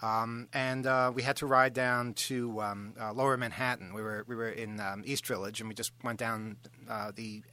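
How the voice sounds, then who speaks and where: Bright, halting radio host man. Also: mid-range voice, flat delivery, no room sound. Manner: rambling, halting, self-deprecating. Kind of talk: casual on-air storytelling.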